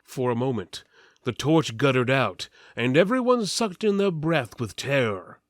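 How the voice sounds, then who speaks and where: A man's voice: medium pitch, very animated, measured pace, no echo, clean studio sound. A man giving a theatrical, mock-solemn dramatic reading of epic fantasy as narrator.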